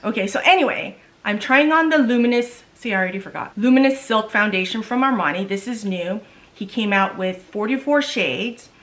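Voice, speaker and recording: A middle-aged woman talks her way through a makeup test in a relaxed, chatty vlog. Korean is her first language, and she often trails off hunting for a word before starting again. Her voice sits at an everyday middle pitch. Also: normal speed. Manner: chatty, loses words and restarts. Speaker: beauty vlogger. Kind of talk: casual makeup tutorial chat.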